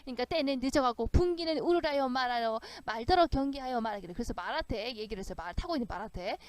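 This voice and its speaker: A woman's voice: on the high side, animated, quick pace, no echo. A woman teaching a classic novel for an exam, acting out its lines in voices and often laughing. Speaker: literature tutor. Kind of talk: exam literature lecture.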